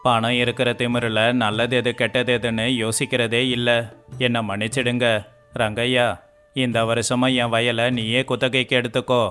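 A man voicing every male figure in a cartoon village story, in an even, scripted delivery. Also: mid-range voice, moderate pace, clean tone. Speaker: voice actor for all male figures. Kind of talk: scripted dialogue of an animated moral story. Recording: faint music underneath.

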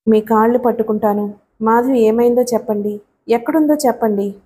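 Audiobook: woman reading a scared, pleading young wife, mellow and a bit high. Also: steady tone, normal speed, slightly rough. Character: frightened, desperate young wife and mother.

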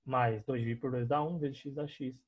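Over a screen recording, a young math teacher from Brazil works on a digital board, patiently covering every step and frequently checking that his students follow. His medium-pitched voice is husky and steady, fairly quick, with a Brazilian Portuguese accent and dull audio.

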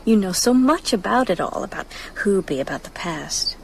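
A woman's voice: mid-range voice, expressive, moderate pace, creaky, a little mellow, breathy edge, low-quality recording. An actress playing a young, curious small-town girlfriend in a radio drama, direct and intimate in manner. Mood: curious, uneasy. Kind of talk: naturalistic radio drama dialogue.

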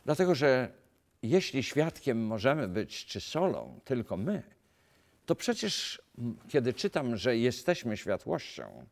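A middle-aged male pastor from Poland preaches straight to the camera, asking questions and answering them himself. His voice rises and falls with a very lively, sing-song intonation at a moderate middle pitch. He is recorded close on a lapel mic in a quiet studio. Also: unhurried, gravelly. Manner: earnest, animated preaching with rhetorical questions and gestures. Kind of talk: filmed sermon talk to camera. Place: dark studio set, indoors.

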